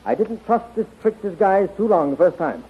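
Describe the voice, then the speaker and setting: A confident young adventure hero in a 1930s radio serial. His voice is fairly high and very animated, with bold, emphatic delivery. The old recording is muffled and noisy. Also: moderate pace, breathy edge. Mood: excited.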